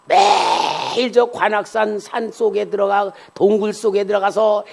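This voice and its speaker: A middle-aged male pastor preaching a sermon, telling his own story and swinging from quiet asides to loud exhortation. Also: sits high, steady tone, unhurried, gravelly.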